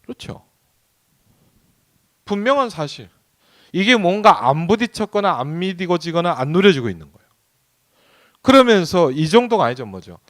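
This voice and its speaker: In a church sanctuary, this man preaches a conversational midweek sermon, frequently putting questions to the congregation. He's a pastor with a high, sing-song voice and a brisk delivery.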